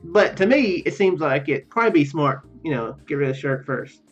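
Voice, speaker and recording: Male game commentator, fairly high pitch, halting, rambling, self-correcting, casual read-aloud, lo-fi mic, background game music. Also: expressive. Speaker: let's play video host. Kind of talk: casual game commentary, reading visual novel text aloud. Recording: muffled lo-fi mic, music behind.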